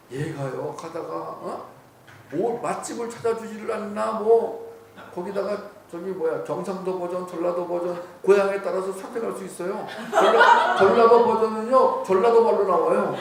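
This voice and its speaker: A middle-aged man, a missionary, giving a church seminar talk in a lively, joking way and acting out voices. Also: high-pitched, gravelly, a little hiss or hum. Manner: animated, joking, acts out voices. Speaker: missionary speaker. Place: church hall. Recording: very echoey hall, from a distant mic.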